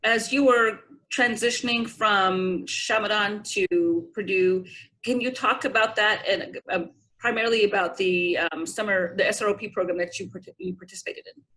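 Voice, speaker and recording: A woman's voice: mid-range voice, steady tone, moderate pace, fairly bright tone, low-quality recording. Woman co-host asking follow-ups, polite, medium voice. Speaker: interviewer. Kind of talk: conversational interview questions.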